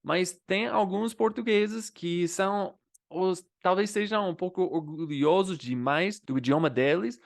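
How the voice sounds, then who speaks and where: American male language vlogger, slightly high voice, easy chatty delivery with frequent tag questions. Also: measured pace, gravelly. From United States. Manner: conversational, often adds "né?" and "entendeu?" as tags. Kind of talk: casual explanatory vlog.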